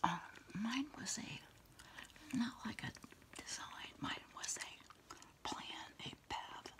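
A middle-aged woman whispering a quiet ASMR roleplay close to the mic, in a breathy, murmuring voice with pauses and soft hums. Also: on the high side, lively intonation. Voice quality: breathy, mostly unvoiced whisper. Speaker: ASMR host playing a therapist. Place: small candlelit indoor room.

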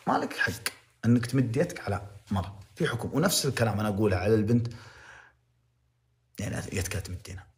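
Saudi man, young adult, lower voice, rapid speech, preachy livestream commentary. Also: expressive, a little mellow. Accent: Saudi Arabic. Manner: impassioned moralizing, repeats phrases for emphasis.

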